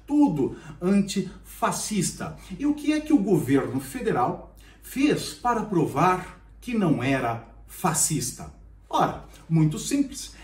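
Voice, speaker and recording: Man, Brazilian Portuguese accent, sarcastic theatrical storyteller, political commentary, fairly high voice, lively swooping pitch, echoey room, distant mic.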